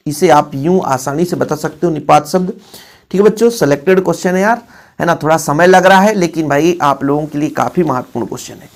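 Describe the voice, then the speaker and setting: Gravelly-voiced teacher. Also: male voice, sits high. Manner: emphatic, repeats examples and keeps checking in with the students. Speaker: Hindi teacher. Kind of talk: exam-prep lesson.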